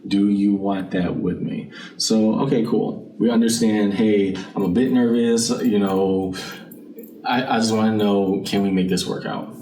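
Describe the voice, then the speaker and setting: Roomy, low-voiced man reading tarot casually. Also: fairly even intonation, unhurried, dark tone. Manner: informal, addresses the listener directly, thinks aloud. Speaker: tarot card reader and channel host. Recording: roomy, distant mic, faint background noise.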